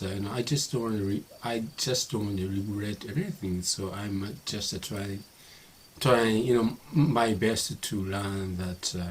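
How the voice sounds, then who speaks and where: Faint background noise accompanies this Japanese-accented YouTuber, a native Japanese speaker in his fifties, as he addresses his audience casually on camera. His voice is on the low side, and he hesitates often, restarting and using plenty of fillers.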